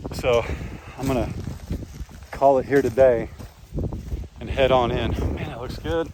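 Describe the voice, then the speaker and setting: A man's medium-pitched voice against noticeable background noise. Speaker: farm vlogger. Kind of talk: casual vlog narration. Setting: outdoors. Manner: animated.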